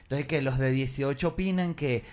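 A man's voice: mid-range voice, moderate pace, a little mellow. A man in his thirties with a Venezuelan accent, chatting casually among friends in an opinionated, slangy way. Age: 30s. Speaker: podcast participant.

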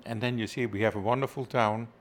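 A man's voice: mid-range voice, fairly even intonation, fast talker. A man from the Netherlands with a Dutch accent, who works as a city's visitor services director, chatting casually in an interview and laughing easily.

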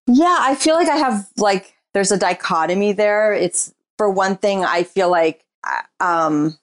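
A woman guest, a writer and performer, talking candidly and reflectively in a casual interview, often pausing on "like" and "you know.". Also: medium pitch, lively intonation. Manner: describes herself as shy and introverted.

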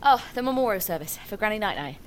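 A woman's voice: medium pitch, animated, quick pace, crowd noise, natural voice. An actress playing an earnest, polite young woman who apologises often. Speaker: lead character. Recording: background noise.

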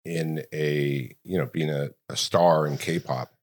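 A man with a very deep voice hosts an interview. He asks long, wandering questions and builds them as he speaks. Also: fairly even intonation, slow. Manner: probing, thinks aloud in long questions. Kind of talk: conversational interview.

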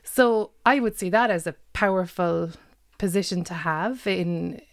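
A woman's voice: fairly low pitch, a little slow. An Irish woman hosting a podcast interview, chatty with lots of filler words and supportive murmurs. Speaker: podcast host. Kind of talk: casual interview chat.

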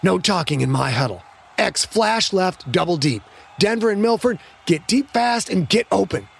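A man voicing a hot-tempered young male quarterback, barking bossy, aggressive commands in a husky voice. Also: high voice, animated, moderate pace, voice pushed up, full character voice. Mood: gruff, commanding.

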